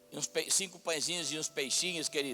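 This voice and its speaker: A man talks at a moderate pace. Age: 60s. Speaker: pastor. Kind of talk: sermon. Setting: church service.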